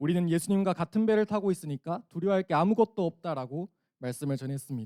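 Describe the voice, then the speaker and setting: Dark, mellow and dry, close with no echo, this voice has lively intonation in a Daegu accent. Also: man. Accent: Daegu dialect, still noticeable. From South Korea, Daegu. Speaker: youth ministry preacher. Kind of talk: sermon. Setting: church service with congregation.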